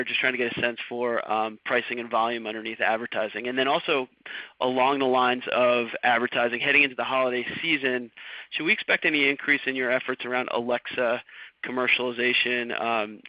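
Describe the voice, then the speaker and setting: A man's voice: mid-range voice, dry recording. A man asking questions as a financial analyst on an unscripted conference call. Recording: muffled phone conference audio.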